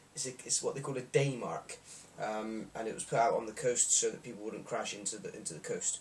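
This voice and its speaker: Background noise is noticeable throughout. Over it, a man keeps a fairly quick pace. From Cornwall, England. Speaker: beer reviewer. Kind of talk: casual video review. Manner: chatty, hesitant with fillers.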